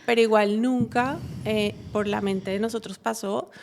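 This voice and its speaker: A woman from Colombia, giving a personal faith testimony in a halting, earnest way with many pauses and restarts. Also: medium pitch, fairly even intonation, creaky, slight background noise.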